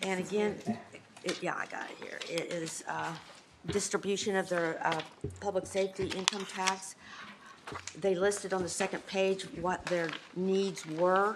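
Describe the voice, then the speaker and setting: A woman speaks at a moderate pace in a medium pitch, her flat, monotone delivery broken by long, frequent pauses over noticeable background noise. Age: 70s. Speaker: county council president. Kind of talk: public meeting. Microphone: audio issues in recording.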